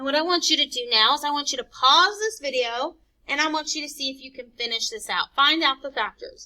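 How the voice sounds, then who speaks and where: Projecting a raised voice, a woman talks at a fairly quick pace with a high pitch, a bright, sharp tone, lively intonation and big swings in loudness. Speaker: math teacher. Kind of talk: recorded lesson.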